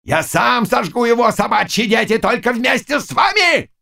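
A man's voice: extremely high pitch, expressive, normal speed, creaky, bright, forceful tone, shouting, pitched above the performer's own voice, full character voice. A man voicing a boastful old nobleman who bellows curses and threats in a rage. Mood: furious. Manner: bellowing, cursing, mocking.

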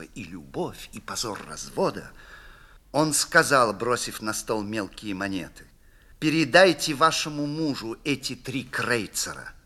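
Expressive theatrical male narrator. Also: mid-range voice. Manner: expressive, declamatory. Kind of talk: theatrical literary reading.

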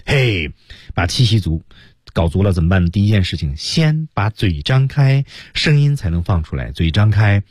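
A man's voice: deep voice, a little mellow, slightly rough, no room sound, clean studio sound. A man teaching English pronunciation on an educational radio lesson, animatedly demonstrating lines with shifts of voice.

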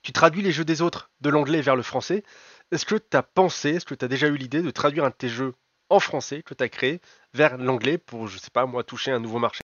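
A man's voice: mid-range voice, brisk, fairly bright tone, no echo. A man hosting a podcast puts direct, conversational questions to his guest in a mid-range voice. His sound is dull and lo-fi, with a dry, close feel. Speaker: podcast host. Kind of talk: interview questions.

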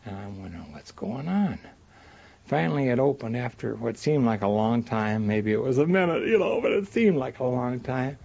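A man's voice: mid-range voice, sing-song, normal speed, creaky, a little mellow, slightly rough. Older American man reminiscing, slightly muffled. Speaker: war veteran interviewee. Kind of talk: anecdotal interview reminiscence.

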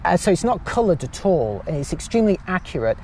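Man, high tenor voice, chatty podcast guest, self-mocking, light street noise behind. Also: sing-song, fast, a little mellow. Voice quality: high-pitched voice. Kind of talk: casual chat.

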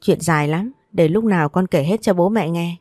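A woman's voice: lowish voice, normal speed, mellow, no echo, studio quality, faint music behind, natural voice. A woman voicing a loyal, easygoing young man who teases and speaks respectfully to his parents in a storybook.

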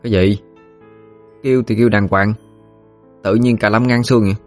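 A man's voice: on the low side, steady tone, moderate pace, faint music behind, natural voice. A man voicing a blunt, easily irritated village boy in an audio ghost story. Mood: grumpy. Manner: grumpy, shouting.

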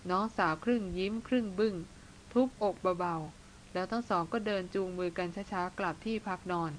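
A woman reading a novel aloud as narrator, with measured storytelling delivery. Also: fairly low pitch, a little hiss or hum, low-quality recording. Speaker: audiobook narrator.

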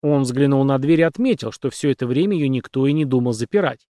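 A man narrating an audiobook with expressive storytelling. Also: mid-range voice, quick pace, no echo, studio quality. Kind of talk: scripted narration.

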